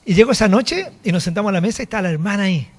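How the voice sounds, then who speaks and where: A man's voice: sits high, rapid-fire. A man preaching a sermon and telling a personal testimony, acting out the dialogue as he goes. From Chile. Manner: storytelling, animated, acts out dialogue. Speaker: apostle preaching.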